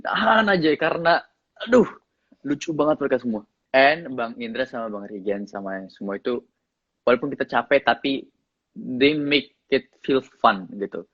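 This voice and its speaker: A relaxed male actor chatting in an interview, his Indonesian carrying a slight English lilt. His voice sits at an ordinary middle pitch, recorded close and dry with a slightly dull, muffled tone. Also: moderate pace, no echo. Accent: slight English accent in his Indonesian. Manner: relaxed, chatty, mixes English into his speech, laughs often. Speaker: actor guest. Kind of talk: casual interview chat.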